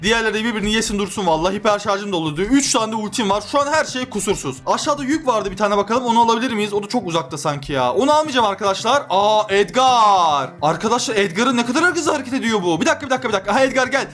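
A young man giving excited, fast commentary over his own mobile game match, yelping and shouting at the action. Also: high-pitched. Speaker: gaming YouTuber. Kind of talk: excited Let's Play commentary.

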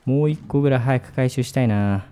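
A man's voice: medium pitch, brisk, mellow, clear, resonant tone. A man hosting a gaming video, commentating on a horror game in speech, shifting between muttering and jumpy outbursts.

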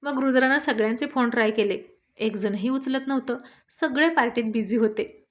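A woman storyteller reading a love story aloud in an even storytelling manner. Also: a little high, moderate pace. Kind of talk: storybook narration. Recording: dull lo-fi recording.

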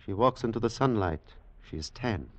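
An actor playing a grave, world-weary older German scientist in a 1940s radio drama, speaking deliberately. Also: male voice, fairly low pitch, lively intonation. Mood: grave, foreboding. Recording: muffled 1940s radio broadcast.

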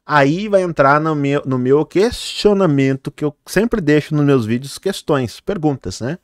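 A man's voice: on the high side, animated, a little slow, no room sound, clean studio sound. A man vlogging, casually commenting on footage and talking straight to his viewers with many fillers, sometimes tripping over hard names. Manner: chatty, fillers like "né" and "olha, gente".

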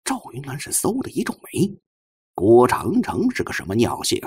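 A man narrating an audiobook as an animated, theatrical dramatic storyteller. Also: mid-range voice, normal speed, breathy edge. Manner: expressive, theatrical delivery.

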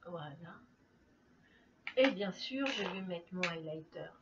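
A woman's voice: on the low side, lively intonation, slow. Chatty tired middle-aged woman, beauty vlogger talking to camera at home, slightly dull recording with faint hiss. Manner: chatty, laughing, tired, talks to viewers directly. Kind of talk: casual makeup chat to camera.

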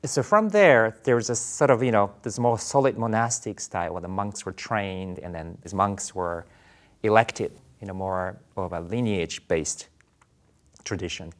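A man's voice: fairly low pitch, normal speed. A man in his forties from Japan with a Japanese accent, answering interview questions thoughtfully in a studio, with many fillers and restarts. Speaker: Buddhist priest guest.

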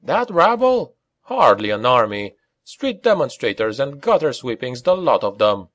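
A man's voice: medium pitch, sing-song, unhurried, a bit bright, no room sound, pitched above the performer's own voice. A man voicing a smug, scornful and sceptical man in an audiobook. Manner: smug, dismissive, pointed.

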